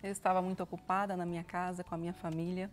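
An earnest woman in her thirties talks as a missionary guest in a TV studio kitchen. Her speech is measured and devout, picked up by a lapel mic. Soft music sits faintly behind her. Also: fairly low pitch, level tone. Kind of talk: TV cooking show interview.

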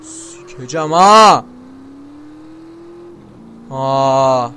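A young man commenting on his gameplay, swearing often and yelling angrily at the game. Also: mid-range voice, animated, drawn-out words, clear, resonant tone. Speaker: gameplay streamer.

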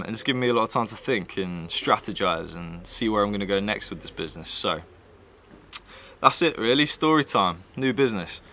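A man's voice: lowish voice, pushed and bright. A man with a nasal voice, chatting casually to camera in a rambling vlog with plenty of fillers. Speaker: vlogger.

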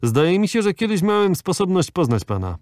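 A man reading an audiobook, voicing a polite, eager gentleman captain who speaks up brightly. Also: high-pitched, sing-song, normal speed, no room sound, studio quality, voice pushed up. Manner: courteous, eager, exclaiming.

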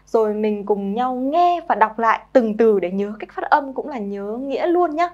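Higher-pitched woman teaching kids vocabulary. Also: expressive, darkish tone, highs cut off. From Vietnam. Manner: coaxing, repeats each English word slowly for pupils. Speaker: English teacher. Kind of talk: children's vocabulary lesson.

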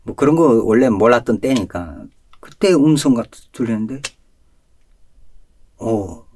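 A man, a pastor, telling his personal testimony in an animated storytelling way, chuckling often and swinging between loud and soft. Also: medium pitch, unhurried. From North Korea.

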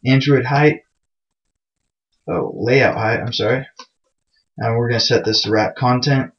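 A man's voice: mid-range voice, measured pace. Casual guy explaining code, lo-fi mic. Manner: loose, chatty and self-mocking, with many fillers. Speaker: programming tutorial host. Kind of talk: casual screencast tutorial. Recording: dull lo-fi mic sound.

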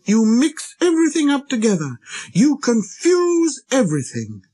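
A man voicing an earnest, persistent little boy prince in a storybook, with a high, light, childlike voice and an insistent way of talking. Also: wildly swooping pitch, measured pace, warm tone, full character voice. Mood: indignant. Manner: insistent, questioning.

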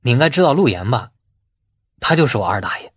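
Man acting a shrewd young man, husky. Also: mid-range voice, sing-song, fast talker, no room sound, studio quality. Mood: solemn. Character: shrewd, self-possessed young man, quietly mocking.

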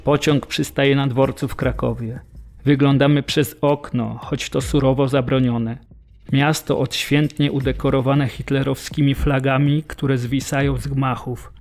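A male prisoner played by an actor gives restrained eyewitness testimony. His voice is medium in pitch with very little melody, plain radio-drama narration. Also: flat delivery, a little slow, darkish tone, lightly acted. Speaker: actor reading a prisoner's account.

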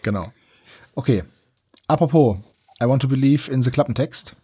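Guy podcast host just chatting, bit of a husky voice, dry close sound. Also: mid-range voice, moderate pace, warm tone, dry recording. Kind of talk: casual podcast chat.

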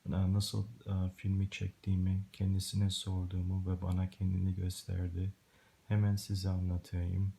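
A middle-aged man with a low, mellow voice gives a personal religious testimony. His Turkish is broken and halting, like that of someone long abroad, and he often searches for words. A light hiss and clicks sit on the home recording. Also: monotone, vocal fry. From Germany, born and raised. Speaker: Christian testimony video maker.

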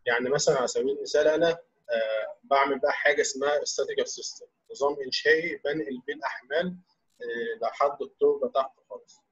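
Egyptian guy in his 20s talking super fast, lots of drawn-out fillers, muffled blurry stream audio. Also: a bit bright, slightly rough. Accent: Egyptian Arabic. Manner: rapid explaining with frequent drawn-out fillers. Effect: blurry, muffled low-quality stream audio. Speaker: engineering student presenter. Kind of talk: technical presentation over an online call. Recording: dull lo-fi online call audio.

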